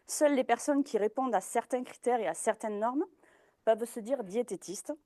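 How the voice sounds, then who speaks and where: A woman's voice: a little high, normal speed, mellow, dry recording. A young woman giving a presentation as a dietitian, hesitant, with many fillers and restarts. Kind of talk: informal talk presentation.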